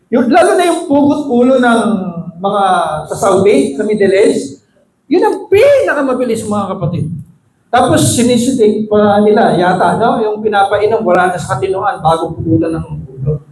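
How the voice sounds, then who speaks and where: A male preacher delivering a sermon, calling out to the congregation for amens and swinging between loud, high exclamations and low, quiet asides. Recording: echoey room with faint ambient noise.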